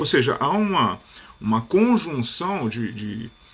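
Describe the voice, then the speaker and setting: Very wide pitch swings in a Rio de Janeiro accent, over noticeable background noise. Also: man. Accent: carioca. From Rio de Janeiro state, Brazil (Niterói). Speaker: preacher. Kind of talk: sermon.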